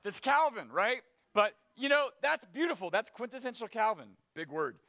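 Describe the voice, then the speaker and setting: A man preaching a sermon to his church, telling a story animatedly and dropping to a quiet, serious tone for weighty points. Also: extremely high pitch, very animated, moderate pace. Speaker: pastor.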